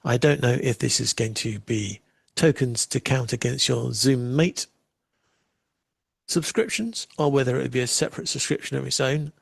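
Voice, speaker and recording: A man hosting a live software demo, chatting casually and making wry asides while he waits. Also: medium pitch, moderate pace, vocal fry, slightly rough, dry recording. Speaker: livestream host demoing software.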